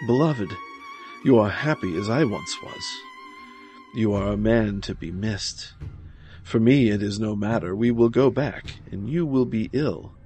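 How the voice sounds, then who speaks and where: A man voicing a scheming, falsely caring gentleman with a measured, insinuating delivery in a gothic horror story. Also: medium pitch. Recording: music behind the voice.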